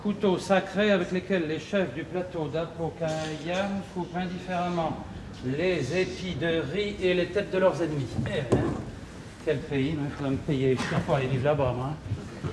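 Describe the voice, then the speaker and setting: An actor playing a flustered, excitable man fussing over a date, stammering and muttering to himself on a theatre stage in a televised boulevard comedy. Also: fairly high pitch, normal speed, lightly acted. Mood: fretful. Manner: stammering, fussy, talks to himself. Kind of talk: 1980s French boulevard stage comedy acting. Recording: hissy old television broadcast recording.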